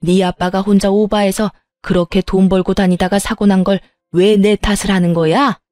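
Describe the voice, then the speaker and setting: A woman's voice: mid-range voice, flat delivery, normal speed, warm tone, no echo, clean studio sound, soft background music, close to an everyday voice. A woman voicing a brazen, self-pitying older mother-in-law who stammers and talks back in an indignant tone, in a scripted story. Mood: scornful.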